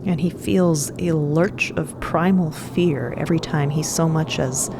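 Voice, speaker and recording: A woman's voice: sits low, fairly even intonation, a little slow, vocal fry, noisy background. A woman delivering scripted, dramatic narration for a fiction podcast.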